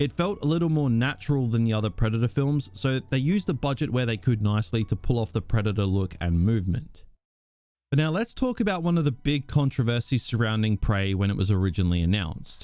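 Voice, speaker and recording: Very fast and with an Australian accent, a man speaks in a dark, mellow tone with lively intonation and very even loudness, in a very clean recording with a silent background. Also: medium pitch for a man. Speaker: film video essayist. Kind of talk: video essay narration. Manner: casual, conversational.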